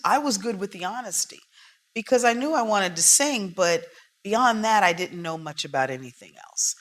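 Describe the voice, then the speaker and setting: A jazz singer from Oakland, California, a woman telling stories from her career as a podcast guest, animated and lively. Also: low voice. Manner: animated storyteller, acts out quotes. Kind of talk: storytelling interview talk.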